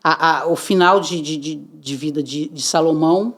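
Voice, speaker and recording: A middle-aged woman from Brazil, a podcast guest telling her testimony with lively acted-out voices and frequent laughter. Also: low-pitched, moderate pace. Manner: lively, acts out quoted voices, laughs often. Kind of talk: animated testimony storytelling.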